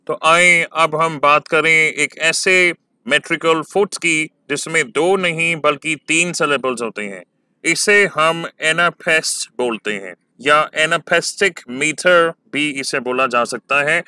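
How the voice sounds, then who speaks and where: Guy teaching poetry meter super slow, clear bright voice, drags out words to show the stress. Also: a little high, dry recording, clean studio sound. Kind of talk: exam-prep lecture.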